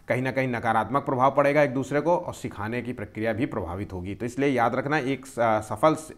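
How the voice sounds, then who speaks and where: A young man teaching exam-prep questions, explaining each answer step by step and repeating key terms. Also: mid-range voice. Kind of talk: Hindi exam-prep lesson.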